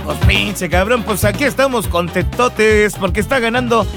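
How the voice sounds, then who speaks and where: A man's voice: sits high, normal speed. A man hosting a radio show, joking playfully and often slipping into a sing-song delivery. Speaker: radio host. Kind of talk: lively radio banter. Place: radio studio. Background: music.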